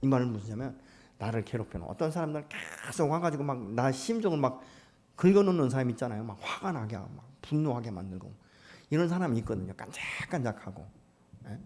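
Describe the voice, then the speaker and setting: A man preaching a sermon as pastor, building to loud emphatic peaks and dropping to soft asides, calling out to the congregation for amens. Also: mid-range voice, animated, quick pace.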